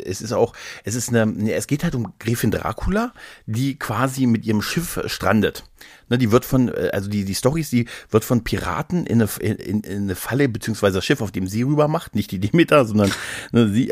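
Low-voiced man telling stories in a close, dry recording. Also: expressive, brisk, a little mellow, no echo. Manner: rambling, repeats words, playful. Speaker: podcast co-host. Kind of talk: casual conversational storytelling.

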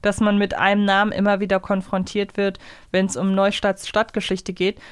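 A woman's voice: mid-range voice, monotone, normal speed, clear, resonant tone, dry recording, studio quality. A woman co-hosting a podcast, casually discussing and explaining her opinions in loose, reflective asides. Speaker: podcast co-host. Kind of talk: casual discussion of an audio drama episode.

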